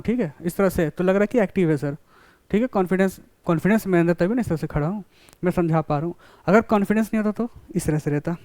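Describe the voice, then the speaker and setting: A man's voice: high voice, a little mellow, dry recording. A man giving a college lecture, explaining with classroom examples and often checking that students follow.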